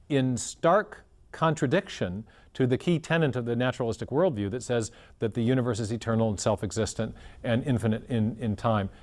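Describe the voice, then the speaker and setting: A man's voice: medium pitch, darkish tone. A man as an interview guest, explaining in an earnest, storytelling way and often restarting his phrases. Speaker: guest scholar.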